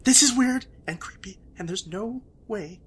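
A woman playing a skeptical young character who is sarcastic and dismissive, quick to explain everything away. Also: fairly high pitch, animated, husky. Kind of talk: audio drama acting.

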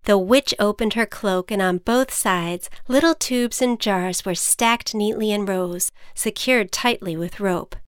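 A woman reading a children's storybook aloud in an expressive, playful way, recorded on a close mic. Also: mid-range voice, a little slow, hardly any pauses, clear, resonant tone, no echo.

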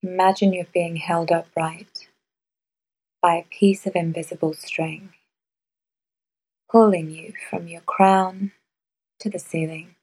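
A woman guiding a meditation in a soft, measured way, with long pauses between phrases. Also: fairly low pitch, steady tone, slightly rough, rough recording. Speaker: meditation guide. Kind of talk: guided meditation.

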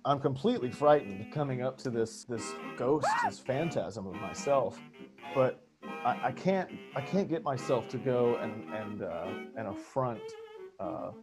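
An actor playing a frightened, rambling man who confides in his therapist, earnest, halting and stammering. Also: medium pitch, lively intonation, lightly acted. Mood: bewildered. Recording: music behind the voice.

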